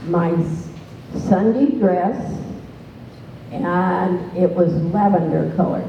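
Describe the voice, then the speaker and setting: Very slow speech in an American accent, with ordinary pitch variation, noticeable background noise and audible room echo. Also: woman. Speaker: elderly speaker recalling her life. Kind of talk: personal storytelling presentation. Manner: halting, with fillers.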